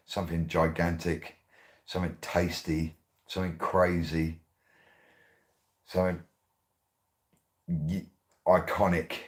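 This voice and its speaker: A man, hosting his radio show in a rambling, excitable way, laughing often. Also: deep voice. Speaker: radio host. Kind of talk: casual monologue.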